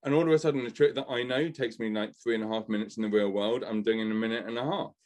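A host and performer talking with a guest over a video call in a chatty, animated way. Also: mid-range voice, fast. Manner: chatty, animated, acts out quotes. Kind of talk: casual chat.

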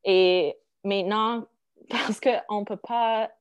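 Halting anglophone woman speaking accented French. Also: medium pitch, fairly even intonation, clean tone. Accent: English-speaking accent in French. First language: English. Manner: halting, searches for words in a second language. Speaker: interview guest. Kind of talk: casual chat, halting French mixed with English.

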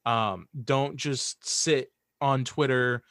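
A man's voice: mid-range voice, drawn-out words, fairly bright tone, no room sound, studio quality. A man speaking as a podcast guest, casually and earnestly giving opinions and repeating phrases for emphasis.

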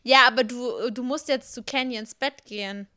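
A woman's voice: a little high, steady tone, moderate pace, sharp tone, smooth, no room sound, clean studio sound. A young woman co-hosting a casual podcast, playfully reading out the text of a story game and laughing along. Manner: laughing, playful, reads dialogue aloud. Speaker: podcast co-host.

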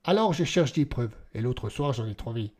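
A man's voice: mid-range voice, lively intonation, moderate pace, darkish tone, natural voice. A man voicing a haunted young suspect who speaks in a tense, hesitant, pleading way. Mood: guarded. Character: haunted young man, evasive wolf witness.

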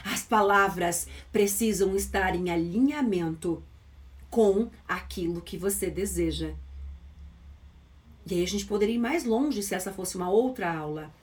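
A woman's voice: medium pitch, measured pace. A woman, a mental coach giving a motivational podcast lesson, emphatic and repetitive as she stresses key phrases.

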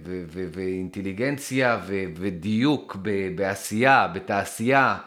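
Bright-voiced rambling man from Israel. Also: low-pitched. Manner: rambling, stops and restarts often, thinks aloud; animated and emphatic. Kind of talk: casual rambling monologue.

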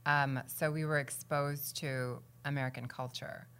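A woman from Guam, a guest actress chatting casually in an interview, relaxed and quick to laugh. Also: a bass voice, clean tone.

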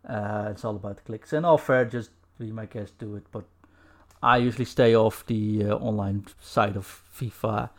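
A man hosting a casual video podcast over a call, relaxed, laughing often and filling pauses with "uh". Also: on the low side. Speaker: podcast host.

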